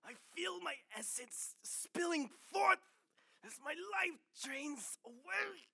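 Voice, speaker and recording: A man playing a pompous, melodramatic high school stage actor with grandiose, theatrical declaiming in an amateur audio drama. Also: animated, takes it slowly, gravelly, pushed and bright, exaggerated voice. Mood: melodramatic dying.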